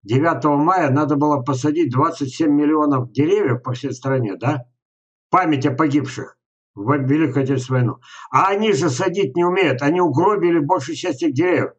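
A man in his sixties hosting a webinar, commenting casually during a phone call in a halting, rambling way. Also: a little high, slightly rough. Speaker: webinar host. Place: indoors at a home computer. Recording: slightly dull, lo-fi computer audio.

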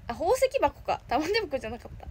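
Lively high-voiced Kansai woman. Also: brisk. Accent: Kansai Japanese. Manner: chatty, thanks viewers often. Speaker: idol livestreamer reading comments. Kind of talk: casual livestream chat. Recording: noisy background.

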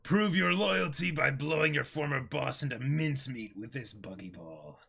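Guy putting on a bossy evil pirate captain, gloating and theatrical, bright forceful voice that swings around. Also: mid-range voice, animated, normal speed, gravelly, slightly rough, heavily acted. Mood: ruthless, commanding. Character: boisterous, menacing pirate captain with theatrical villainy.

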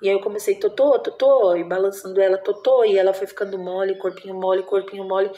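Soft-spoken Brazilian mother, dark mellow voice. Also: medium pitch, completely flat delivery, racing, highs cut off. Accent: Brazilian Portuguese. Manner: emotional, tender, uses many diminutives and fillers like "né". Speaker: vlogger, mother. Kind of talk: casual personal vlog storytelling. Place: at home.

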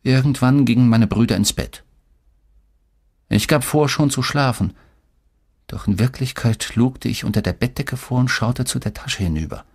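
A man narrating a children's story in a steady, measured way. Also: medium pitch. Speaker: audiobook reader. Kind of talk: scripted narration.

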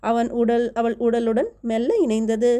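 A woman reads a historical novel aloud as an audiobook narrator. Her delivery is steady and measured. Her voice is mellow and warm and sits slightly high for a woman.

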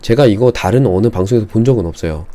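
A man teaching a live-streamed stock trading lesson, explaining slowly and reading viewer chat aloud. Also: lowish voice, mellow.

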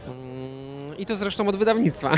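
A man in his thirties answering questions at an outdoor evening gala into a handheld mic, relaxed and rambling with many fillers. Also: on the high side, moderate pace. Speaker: interview guest, fashion designer. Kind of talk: red-carpet interview. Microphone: handheld reporter mic.

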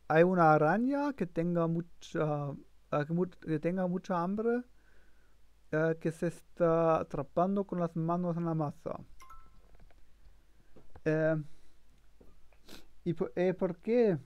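Slow halting man, fillers everywhere. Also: a little high, a little mellow, clean tone, dry recording. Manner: halting, many fillers and restarts. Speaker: streamer learning languages. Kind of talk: live-streamed language practice.

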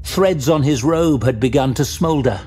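A man's voice: mid-range voice, normal speed, warm tone, a little hiss or hum. A man giving a dramatic scripted narration of a fantasy story. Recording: music behind the narration.

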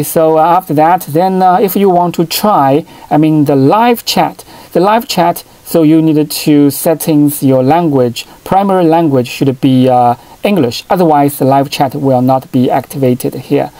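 Middle-aged guy, chinese native, walking through phone settings at his desk, lots of uhs, warm mellow voice, dry sound. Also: fairly high pitch, no room sound, poor audio. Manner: halting, many fillers and restarts. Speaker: tech channel host. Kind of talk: hands-on phone tutorial. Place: desk at home, in front of a computer.

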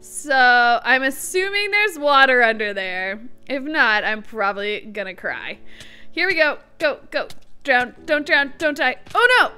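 A woman gives let's-play commentary in a high, bright voice that swoops up and down as she narrates each of her moves. She sounds excitable and giggly. Soft music plays faintly behind her. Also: a little slow, clean tone. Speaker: gaming channel host.

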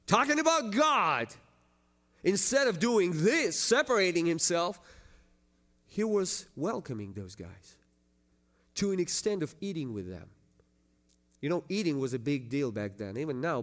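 A man delivering a sermon from the pulpit. His voice sits at an ordinary middle pitch, climbing loud and high on key words before dropping low and quiet. He reads scripture aloud and then explains it in everyday words. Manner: swells loud and high on emphasis, then drops low and soft. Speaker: pastor. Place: church.

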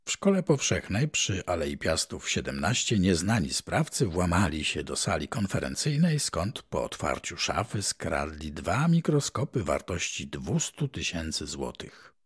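Deep husky-voiced man reading the news. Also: very animated. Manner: measured, announcer-like delivery. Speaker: professional voice-over reader and journalist. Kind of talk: reading old newspaper articles aloud.

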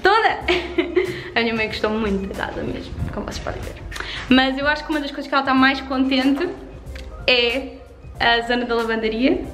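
Young woman, European Portuguese accent, upbeat chatty vlogger, slightly high voice, faint music behind. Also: brisk, long pauses, fairly bright tone, echoey room. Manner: chatty and upbeat, fond of diminutives. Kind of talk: casual house tour vlog. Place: empty renovated flat indoors. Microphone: handheld camera at arm's length.

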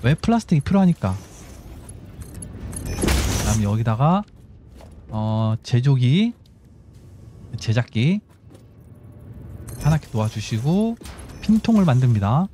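A man's voice: mid-range voice, very animated, unhurried, long pauses, warm tone, a little hiss or hum. A man giving casual gameplay commentary, explaining build steps as he goes and talking to himself over faint game music. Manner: instructive, talks himself through building steps. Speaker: gaming YouTuber.

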